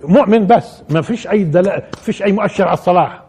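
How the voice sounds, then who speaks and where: A man's voice: sits high, racing, warm tone, slightly rough. A man giving a live religious commentary lesson, repeating key phrases and putting rhetorical questions to his listeners. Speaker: religious teacher.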